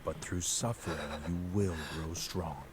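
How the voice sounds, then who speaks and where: An actor playing a sinister, grandiose, icily calm male villain in a video game, with measured menace. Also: low-pitched. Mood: cold menace. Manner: slow, menacing, pompous. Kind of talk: dramatic video game voice acting. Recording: game audio with noisy ambience.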